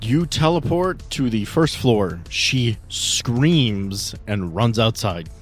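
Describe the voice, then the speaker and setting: A man acts as game master for a tabletop roleplay session. His mid-pitched voice moves conversationally between second-person narration and rules talk, over faint background music. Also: expressive, slow.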